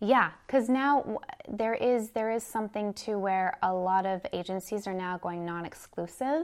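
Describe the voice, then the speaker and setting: A woman with an American accent and a normal speaking voice, medium pitch, ordinary pitch variation, and moderate pace. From Japan and Utah. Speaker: model and actor. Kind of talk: interview conversation.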